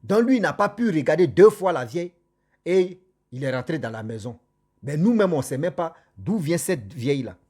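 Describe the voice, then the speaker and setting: Slightly high-voiced male storyteller. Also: moderate pace. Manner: animated, repetitive, addresses listeners directly. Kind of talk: casual spoken storytelling.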